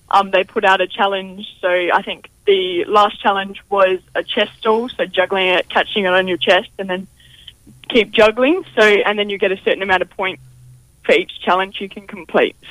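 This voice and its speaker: Medium-paced speech from a woman with an Australian accent. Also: medium pitch for a woman. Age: young. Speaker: football player. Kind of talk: casual chat. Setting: phone call. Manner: animated.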